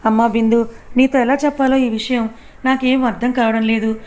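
A woman voicing a gentle, guilt-ridden older mother-in-law in a read-aloud story, soothing and coaxing. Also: on the high side, fairly even intonation, moderate pace, lightly acted.

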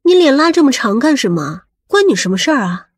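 A woman playing a sharp-tongued, suspicious woman in an audiobook, scolding and probing. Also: high voice, big pitch swings, brisk, breathy edge, no room sound, studio quality, exaggerated voice. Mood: scornful. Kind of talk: audiobook character acting.

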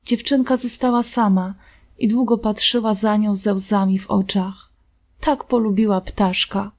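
A woman reading a fairy tale aloud in a calm, gentle narrating voice. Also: medium pitch, unhurried. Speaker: storybook reader.

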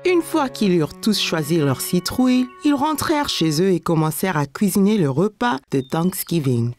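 A woman narrating a children's cartoon as a kindly, expressive storyteller. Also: on the low side, normal speed, faint music behind. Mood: storytelling. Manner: expressive, clearly paced storytelling. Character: kindly storyteller narrating a little boy's everyday adventures.

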